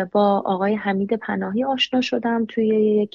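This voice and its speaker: Her intonation stays fairly even as a woman talks in a normal speaking voice. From Iran, Shiraz. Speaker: singer. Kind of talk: interview.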